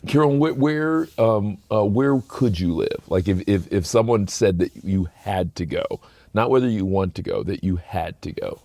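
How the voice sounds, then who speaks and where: A man co-hosting a casual family talk, asking questions and backing others with quick affirmations. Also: lowish voice, expressive, mellow, dry recording. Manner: affirming, frequent "right" and "yeah". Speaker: podcast co-host.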